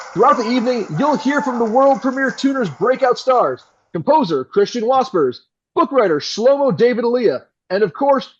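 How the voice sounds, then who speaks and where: A high, swooping voice for a 1960s radio host, played by a male actor, full of showy, affable patter with a jerkish edge underneath. The sound is slightly dull and lo-fi. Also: exaggerated voice. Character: slick, affable 1960s radio host, a crude jerk off air. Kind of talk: 1960s radio announcer acting.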